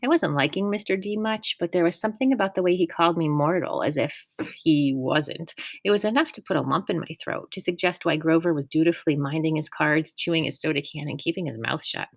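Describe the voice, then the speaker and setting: Woman narrating an audiobook, lowish voice. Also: a little fast, no room sound. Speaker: audiobook reader.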